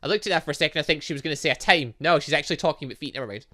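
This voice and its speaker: A man's voice: a little high, very fast, bright, forceful tone. A man hosting a gaming channel, giving let's play commentary on a visual novel with dramatic, exclaiming reactions.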